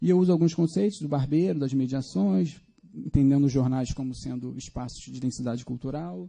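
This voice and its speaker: A man speaks at a fairly quick pace in a medium pitch with a dark, mellow tone. His intonation is lively, and his loudness swings widely. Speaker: doctoral researcher. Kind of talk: academic conference presentation. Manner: fast; halting, many repetitions.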